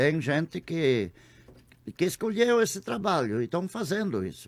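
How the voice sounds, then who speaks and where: Pitch swings very widely while the words come out very slowly. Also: man. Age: 70s. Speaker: farmer and community figure. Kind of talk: interview.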